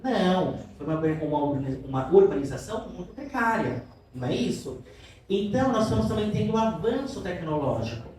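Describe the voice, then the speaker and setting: A high-voiced man gives a lively literature lecture to a class, often pausing to ask whether everyone is following. He is heard from a distance in a very echoey room, with faint noise underneath. His tone toward the students is affectionate. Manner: keeps checking in with students, asking questions. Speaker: literature teacher. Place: classroom in a cultural center.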